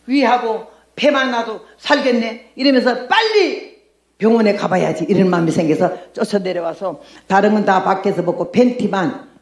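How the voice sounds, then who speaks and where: An older woman missionary giving a lively testimony sermon, telling her story and acting out her own past words. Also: mid-range voice. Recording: echoey room.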